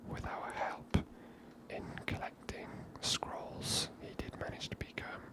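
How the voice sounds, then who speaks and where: A woman whispers breathily in a hushed, casual, musing way as she hosts an ASMR video game playthrough. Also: takes it slowly. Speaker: host of a gameplay series. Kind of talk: ASMR gameplay commentary.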